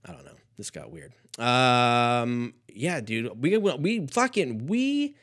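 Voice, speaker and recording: Thirtysomething guy ranting solo on his podcast, swears a ton, trails off into mumbles then gets loud. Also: mid-range voice, big pitch swings, slow. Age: 30s. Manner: profane, rambling, drops to mumbles and jumps to loud quips. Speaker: podcast host. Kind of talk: casual solo comedic rant.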